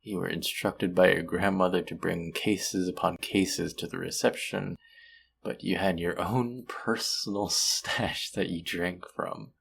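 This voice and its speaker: A man acting a friendly, sympathetic young man in an intimate, conversational audio roleplay, speaking gently and at times hesitantly. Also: steady tone, measured pace, a little hiss or hum, exaggerated voice. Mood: teasing. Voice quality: low, gravelly, husky.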